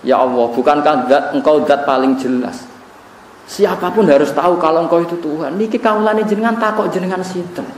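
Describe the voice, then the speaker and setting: A man's voice: fairly high pitch, a little fast, a little hiss or hum, pitched above the performer's own voice, natural voice. A man voicing a pleading devout woman mystic. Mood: plaintive. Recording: roomy, distant recording.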